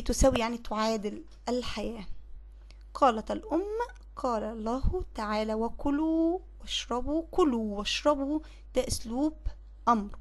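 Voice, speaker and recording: A woman teacher with an Egyptian Arabic accent, talking through a children's reading lesson, asking questions and answering them herself, repeating words slowly. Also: a little high. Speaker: primary school Arabic teacher. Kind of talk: recorded classroom lesson explaining a reading text.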